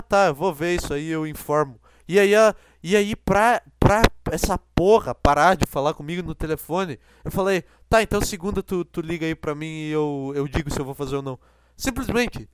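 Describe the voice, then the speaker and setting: A man's voice: high-pitched, noisy background. A young man hosting a podcast, telling a rambling, self-deprecating story with many restarts into a close mic. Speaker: podcast host. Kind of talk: casual monologue.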